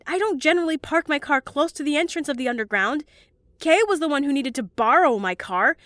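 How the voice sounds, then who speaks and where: A young woman playing an anxious, well-meaning student in an audio drama, earnest and given to halting, stammering speech. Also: high voice, animated, fairly bright tone, no echo. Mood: anxious, rambling. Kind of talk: audio drama acting, emotional monologue and dialogue.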